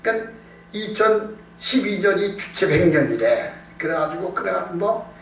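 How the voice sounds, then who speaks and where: A high-pitched male pastor sounds very animated and creaky as he preaches at normal speed in a reverberant church. His conversational Korean evening sermon leans on emphasis, repeated phrases and rhetorical questions. The recording is echoey, distant-miked, with noise and hum.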